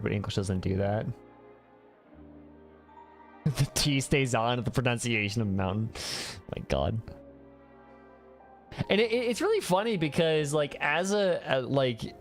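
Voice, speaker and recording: A man's voice: mid-range voice, normal speed, long pauses, faint music behind. Rambling young man with a Coloradan accent. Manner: rambling, laughs, swears, many restarts. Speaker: streamer. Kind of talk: casual chat while playing a game.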